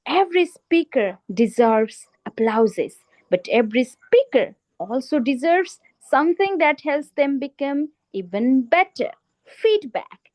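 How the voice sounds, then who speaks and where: A woman hosting a club meeting, giving a formal opening speech with deliberate, emphatic phrasing and rhetorical pauses. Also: sits high, very animated, a little mellow, rough recording. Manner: emphatic, in short list-like phrases. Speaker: meeting host.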